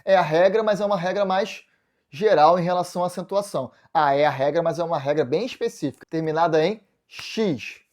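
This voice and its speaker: A man's voice: a little high, a little fast, a little mellow. A man with a Brazilian accent teaching a video lesson, walking through exam answers step by step and answering his own questions. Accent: Brazilian Portuguese. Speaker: Portuguese teacher.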